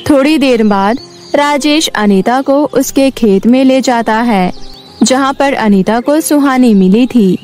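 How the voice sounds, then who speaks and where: A woman narrating a scripted animated moral story as its storyteller. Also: high voice, slow, soft background music.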